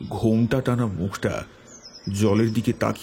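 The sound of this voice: An unforced reading voice keeps a fairly even intonation.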